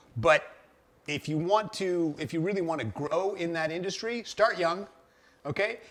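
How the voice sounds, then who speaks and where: A man's high-pitched voice, broken by long, frequent pauses. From Montreal, Quebec. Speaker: real estate investor, former restaurateur. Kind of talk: interview conversation.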